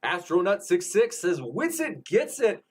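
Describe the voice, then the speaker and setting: A man hosts a live debate show and reads out viewer messages in a friendly, easygoing way. His voice sits a little high, and he comments casually between the questions. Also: very animated, unhurried, noisy background. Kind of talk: reading viewer chat questions.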